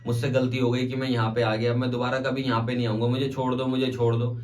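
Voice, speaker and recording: A man's voice: medium pitch, level tone, fast, lightly acted. A man voicing a stubborn young man who is boastful and dismissive. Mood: pleading. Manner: defiant, then pleading.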